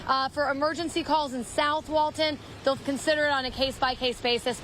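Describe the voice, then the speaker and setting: A woman's voice: sits high, steady tone, brisk, fairly bright tone. A woman field reporter giving a conversational live storm report from outdoors. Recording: faint outdoor wind noise.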